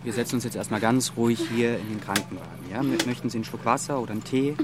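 Guy playing a calm soothing paramedic, medium-pitched, radio krimi, clear vehicle noise around him. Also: very fast, natural voice. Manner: soothing, polite, official. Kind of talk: German radio crime drama acting. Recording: noisy outdoor street with vehicles.

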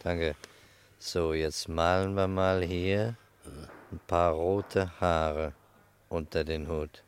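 An actor playing a businesslike, probing, guarded police detective in a German crime radio play. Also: male voice, sits low, fairly even intonation, slow pace, a little hiss or hum. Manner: businesslike, questioning.

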